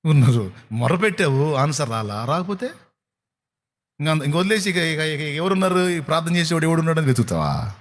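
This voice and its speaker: A man preaching a sermon at a night prayer service, asking rhetorical questions and swinging his pitch widely for emphasis. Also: sing-song, fairly quick. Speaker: pastor. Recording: long hall reverb.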